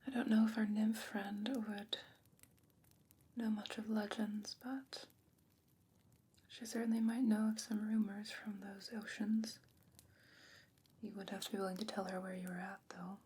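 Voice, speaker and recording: A woman playing a concerned, candid fantasy scholar in a whispered ASMR roleplay, speaking in a deliberate, musing way. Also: medium pitch, little pitch movement, darkish tone, husky. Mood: hushed musing. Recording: noticeable background noise and ambience.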